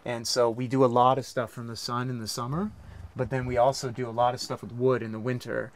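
A man in his forties from the United States, a farmer and craftsman, walks around his small farm indoors and out, explaining his handmade off-grid setup step by step. His mid-range voice is flat and fairly quick, and his manner is earnest and practical, like a casual explanatory tour.

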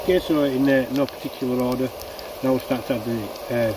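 Man talking over loud sizzling, off-mic. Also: mid-range voice, flat delivery, quick pace. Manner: informal, unscripted, thinking aloud. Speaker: outdoor cooking vlogger. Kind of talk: casual step-by-step cooking narration. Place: outdoors at a woodland camp, beside a cooking pan. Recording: distant mic, loud sizzling frying noise. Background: frying and bubbling food.

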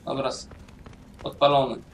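A man's voice: medium pitch, flat delivery, moderate pace, distant mic, slight background noise. A man casually commenting on his own gameplay, mumbling to himself and swearing now and then. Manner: mumbling to himself while playing. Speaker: gaming YouTuber. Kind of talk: casual let's-play commentary.

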